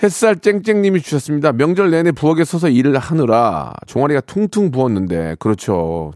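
A man's voice: on the high side, sing-song, a little fast, a little mellow, no echo, studio quality. A middle-aged man hosting a radio show, reading listener messages and joking about them with mock outrage in a casual chat.

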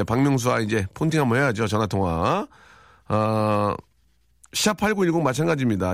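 A man's voice: mid-range voice, no echo. A man hosting a radio show in a studio, chatting playfully and rambling through listener messages with many fillers. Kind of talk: casual radio chat reading listener texts.

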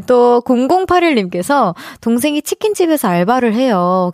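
A woman's voice: mid-range voice, no room sound, studio quality. A young adult woman hosting a radio show, reading listener messages in a chatty way and laughing often between stories. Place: radio studio.

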